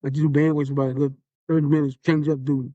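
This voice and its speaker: A man's voice: a little high, little pitch movement, quick pace, warm tone, dry recording, dull audio. A man hosting a podcast and giving an earnest, repetitive motivational talk. His speech is slurred from a facial palsy. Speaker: podcast host. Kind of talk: motivational monologue.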